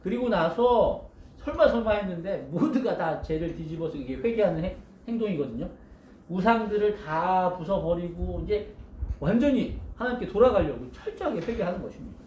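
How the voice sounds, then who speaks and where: A male pastor giving a storytelling sermon to children, animated and asking his listeners questions. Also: high voice, normal speed, reverberant, slight background noise.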